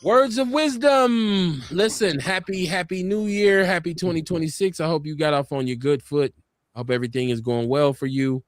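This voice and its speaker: At a normal speed and with no room sound, an American man with an urban Black accent hosts a live internet talk show. He reads comments from viewers and chats casually, shifting into an animated, preachy tone, his voice climbing sharply in pitch when he makes a point.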